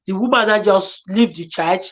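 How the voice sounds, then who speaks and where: A woman's voice: mid-range voice, normal speed, lo-fi sound. Earnest Nigerian woman giving pleading advice. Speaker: guest. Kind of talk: emotional advice-giving chat.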